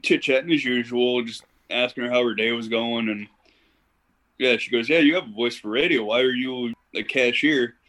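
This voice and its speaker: Here a young Ohioan on a podcast swaps easygoing stories in a casual interview, sprinkling in plenty of "you know." The voice is medium in pitch, a bit bright and moderately paced, captured on a rough recording.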